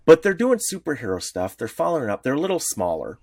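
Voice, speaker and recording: A male podcast co-host talking in a loose, rambling way, often breaking off and restarting mid-sentence. His pitch swings widely as he talks. The recording is dry and close, with no room sound. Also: quick pace, no echo. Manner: rambling, animated, many restarts. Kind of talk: casual chat.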